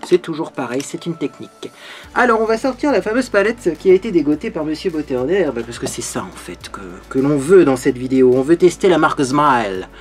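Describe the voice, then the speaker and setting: Expressive and brisk, with a voice on the higher side, a male beauty vlogger walks through a makeup tutorial as soft music plays. He keeps it bubbly and conversational, frequently slipping in "hein."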